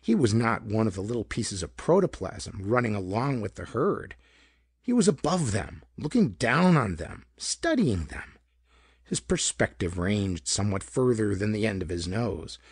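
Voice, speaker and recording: A male narrator reads hardboiled pulp detective fiction. His voice is husky and moves widely in pitch, recorded very dry and close. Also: very animated, moderate pace, dry recording. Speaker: audiobook narrator.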